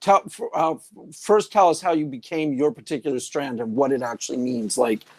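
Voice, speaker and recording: A man's voice: medium pitch, normal speed, darkish tone. A man hosting a live-stream interview, asking curious, chatty questions and laughing easily. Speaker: host.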